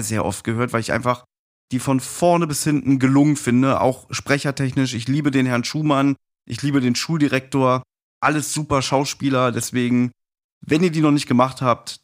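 Middle-aged male, podcast guest, casual chat, medium-pitched voice, reminiscing.

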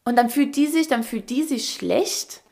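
A young woman co-hosting a podcast, telling a story in lively casual chat and acting out quotes. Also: sits high, a little slow, gravelly. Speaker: podcast co-host.

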